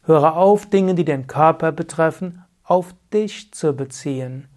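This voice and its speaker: A man giving a spoken spiritual teaching, talking calmly and directly to the listener in short, repeated phrases. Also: on the high side, a little slow.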